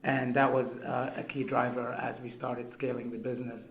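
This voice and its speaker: Male executive, monotone and halting, business jargon, tinny echoing conference phone line. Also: medium pitch, gravelly. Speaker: company executive. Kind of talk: corporate earnings call answer. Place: conference call over phone.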